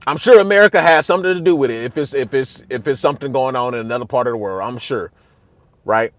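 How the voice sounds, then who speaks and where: Talking quickly, a young streamer snaps back at his chat in a heated, repetitive way, his voice climbing loud and high as he gets worked up. The audio has no echo.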